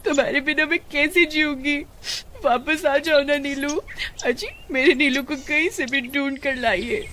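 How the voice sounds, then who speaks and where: A woman's voice: high voice, a little slow, bright, forceful tone, slight background noise, voice pushed up. A woman voicing a farmer's young wife in a cartoon story, fond and pleading. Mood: tearful. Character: farmer's young wife, doting on her puppy.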